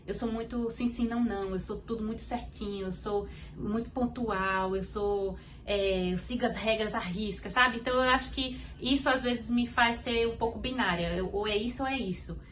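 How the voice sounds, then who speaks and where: A woman's voice: on the high side, moderate pace, few pauses, fairly bright tone, a little hiss or hum. A woman from Brazil with a Brazilian Portuguese accent, a podcast guest giving an earnest faith testimony and acting out what others said.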